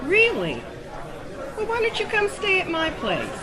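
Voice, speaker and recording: A woman's voice: very high voice, huge pitch swings, a little slow, full character voice. A woman playing a bubbly, coaxing, mischievous friend in an audio drama. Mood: concerned, coaxing. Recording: busy public background chatter.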